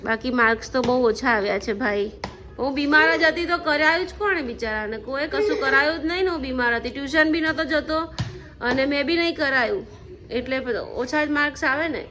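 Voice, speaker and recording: A woman's voice: sits high, fairly quick, pushed and bright. A woman, chatting casually to her phone camera at home as a family vlogger. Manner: chatty, laughs often. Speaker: vlogger, mother.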